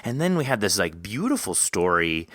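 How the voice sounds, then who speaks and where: A man hosting a casual interview podcast, with a fairly low voice that comes across bright and forward. He rambles enthusiastically through long thoughts, and the recording is dry and close. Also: sing-song, normal speed, no echo. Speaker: podcast host. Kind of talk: casual interview chat about fiction.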